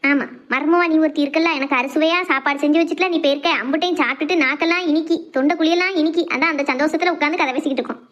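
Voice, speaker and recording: A woman acts out a cranky elderly cartoon mother-in-law with a southern Tamil Nadu accent. Her voice is high and she scolds extremely fast, full of sarcasm. The sound is a little dull. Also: fairly even intonation, fairly bright tone. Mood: sarcastic. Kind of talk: cartoon comedy drama dialogue.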